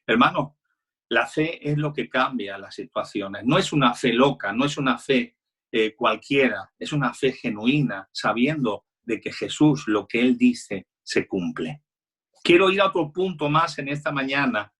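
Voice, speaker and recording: Husky-voiced male pastor preaching. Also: mid-range voice, expressive, unhurried, a bit bright. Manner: earnest preaching, retelling Bible scenes with quoted dialogue. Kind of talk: sermon.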